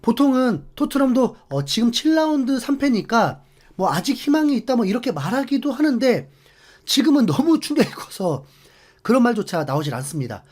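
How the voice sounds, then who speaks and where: A man's voice: very high-pitched, moderate pace. A man hosting a football channel, narrating a scripted match commentary with many fillers. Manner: animated, filler-heavy explanatory talk. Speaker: sports channel host.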